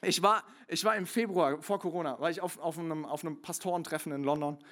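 A young man preaching a sermon, sliding from soft confiding asides into loud emphatic calls, with many fillers and restarts. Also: a little high, fast talker. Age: young adult. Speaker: pastor.

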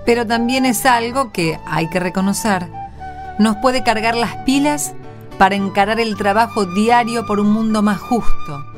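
A woman's voice: fairly high pitch, unhurried, music in the background. A woman with an Argentine accent, hosting a radio drama in a scripted style.

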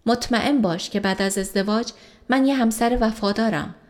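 A woman reading the lines of a serious, caring male doctor in an audio story, keeping a gentle, steady, reassuring manner. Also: on the high side, natural voice. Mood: earnest.

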